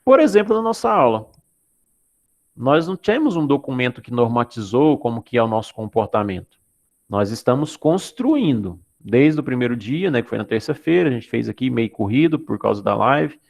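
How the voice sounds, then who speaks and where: Man from Goiás, Brazil, as a teacher giving an online class: gravelly, mid-pitched voice, explanatory, keeps checking in with students. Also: big pitch swings, moderate pace, a little mellow. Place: Anápolis, Brazil.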